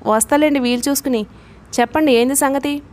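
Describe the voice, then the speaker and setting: A woman's voice: high voice, brisk, darkish tone, close to an everyday voice. A woman reading as a drowsy earthy village wife. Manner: colloquial, drowsy speech. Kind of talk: reading a novel aloud.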